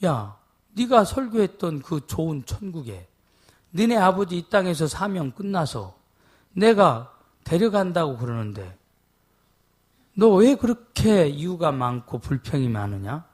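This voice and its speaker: 부흥회에서 설교하는 남자 목사로, 이야기를 하며 대화를 흉내 내고 "예?" 하고 회중에게 자주 묻는다. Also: male voice, on the high side. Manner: animated, acts out dialogue, often asks the congregation "예?". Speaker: pastor. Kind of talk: revival sermon with storytelling.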